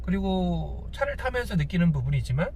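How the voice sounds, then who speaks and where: A man hosting a casual, unscripted car review, speaking hesitantly with pauses between short phrases. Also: sits high, big pitch swings, darkish tone. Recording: clear background car noise.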